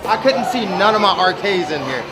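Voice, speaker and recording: A man's voice: sits high, lively intonation, fairly quick, rough recording. A man talking casually in an interview as a small business owner. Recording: loud music and crowd noise behind. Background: loud music and a busy crowd.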